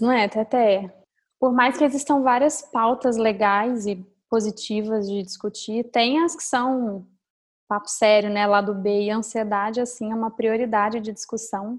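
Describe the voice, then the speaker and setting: An unremarkable speaking voice at a moderate pace, with ordinary pitch variation over a quiet background. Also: woman. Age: 20s. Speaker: podcast host, illustrator. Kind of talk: casual chat.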